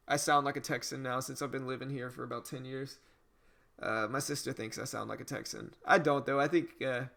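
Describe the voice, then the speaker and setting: A man's voice: mid-range voice, creaky. A man from Louisiana with a slight Cajun accent, casually chatting with viewers as host of a day-trading livestream. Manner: relaxed, conversational, says "you know" a lot. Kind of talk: casual livestream chat reading viewer comments.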